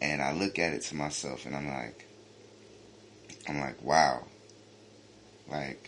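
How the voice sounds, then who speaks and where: Over noticeable background noise, a man with a very deep, low pitch and fairly even intonation speaks with long, frequent pauses. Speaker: podcast guest. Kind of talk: casual podcast conversation. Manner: fast, rushed; halting, stumbling over words.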